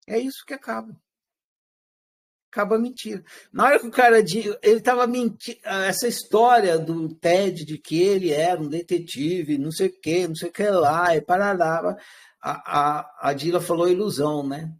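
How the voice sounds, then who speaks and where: Guy teaching a class, kinda high voice, lively, keeps asking then answering his own questions. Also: normal speed. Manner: animated, switches into acted quotes of everyday speech; rhetorical questions answered himself. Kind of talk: live class lecture with questions to students.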